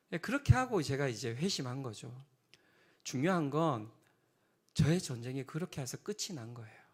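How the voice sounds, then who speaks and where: A middle-aged man preaching a sermon, telling a personal testimony in an animated way and acting out the voices he quotes. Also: mid-range voice. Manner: animated storytelling, acts out quoted voices, drops to whispers. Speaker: pastor.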